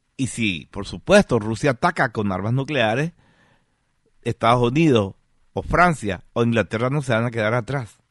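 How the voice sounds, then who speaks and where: Against a quiet background, a man talks at a moderate pace and medium pitch with lively intonation, recorded dry and close with no echo. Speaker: radio host. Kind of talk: radio call-in show.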